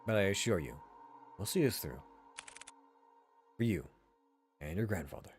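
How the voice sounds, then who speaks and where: A serious, guarded detective from a visual novel , played by a man, with a fairly low voice. He speaks in a measured, deliberate and composed way over music. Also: expressive. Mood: grave, reassuring. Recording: music behind the voice.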